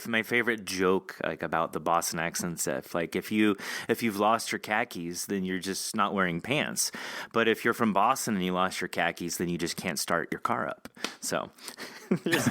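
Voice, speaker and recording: A man's voice: lowish voice, sharp tone, no room sound, studio quality. An American man with a Californian accent, chatty and joking as he hosts a casual interview. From California, United States. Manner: chatty, joking, quick to laugh. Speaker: podcast host and interviewer.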